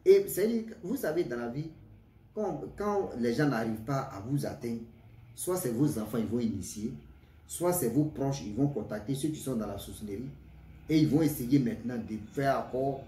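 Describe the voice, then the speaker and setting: Man w telling a story, warm low tone, repeats himself a lot, echoey room and a bit far from the mic. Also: animated, normal speed, a little hiss or hum. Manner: repetitive, emphatic, addresses listeners directly. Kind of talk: casual spoken storytelling.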